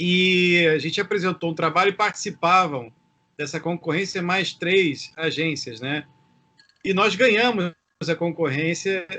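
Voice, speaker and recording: In a slight Rio de Janeiro accent, a man speaks with a high pitch, ordinary pitch variation and a bright, sharp tone. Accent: slight carioca. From Rio de Janeiro, Brazil. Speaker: co-host. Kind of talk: casual chat.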